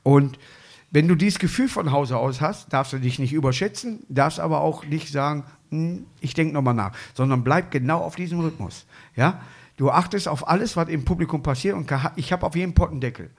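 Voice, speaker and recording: Man in his 50s hosting a chat, kinda high voice, jokey, lots of "ne?". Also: fairly quick. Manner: animated, jokey, many fillers like "ne?". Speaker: podcast host and comedian. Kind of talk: casual chat.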